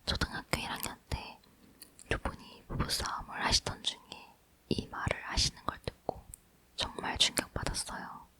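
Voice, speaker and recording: A woman's voice: normal speed, bright, forceful tone. A woman reading a book aloud as ASMR, leaning in to whisper closely and breathily into a near microphone. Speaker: ASMR reader.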